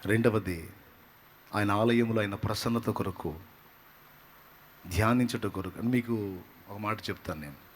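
A man's voice: a little slow, long pauses, slight background noise. Fervent man preaching a sermon. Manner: fervent, rising to emphatic high bursts; drops to soft, intimate prayerful tone.

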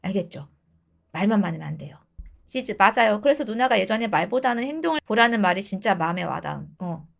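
A woman's voice: mid-range voice, lively intonation, fast, vocal fry. A woman in her thirties giving blunt dating advice to her viewers in casual talk, switching between polite and informal speech.

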